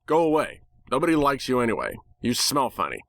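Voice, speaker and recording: Man as irritable storybook pony, snarky, stubborn, petulant, whiny, raised male pitch, dry sound. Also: wildly swooping pitch, fairly quick, gravelly, a bit bright, no echo, exaggerated voice. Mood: dismissive.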